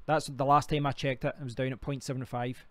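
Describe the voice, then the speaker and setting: A man's voice: mid-range voice, little pitch movement, fast talker, no echo. Scottish man chatting on a live stream. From Scotland. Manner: rambling, talks to himself while clicking around. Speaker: crypto livestream host. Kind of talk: casual live stream chat.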